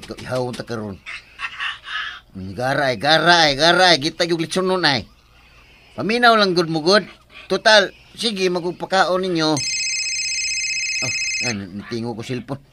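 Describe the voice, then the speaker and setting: An actor playing a flustered older village farmer in a Bisaya radio drama comedy, hesitant and rambling, with a Bisaya accent. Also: male voice, mid-range voice, background noise, lightly acted. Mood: loud, agitated. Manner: hesitant, stammering when nervous, rambling.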